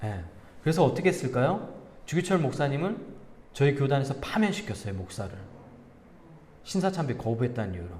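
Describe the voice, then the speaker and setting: Lively Korean pastor in echoing hall. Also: male voice, medium pitch, brisk, pauses often. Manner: animated, asks the congregation questions, tells anecdotes with laughter. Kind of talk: conversational sermon. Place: church sanctuary. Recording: reverberant church hall.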